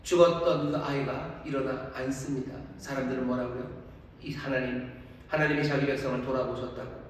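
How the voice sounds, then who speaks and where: A male pastor preaching a sermon, emphatic, with rhetorical questions and shifts between loud and soft. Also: mid-range voice, steady tone, brisk, a little hiss or hum. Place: large church sanctuary. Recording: echoey church hall, voice from far off.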